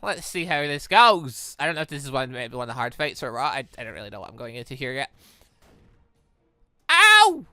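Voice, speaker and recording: A man doing let's play commentary on a game, with animated, rambling asides. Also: medium pitch, fairly quick, no echo. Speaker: gaming YouTuber, let's player. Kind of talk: let's play commentary with dramatic read-aloud.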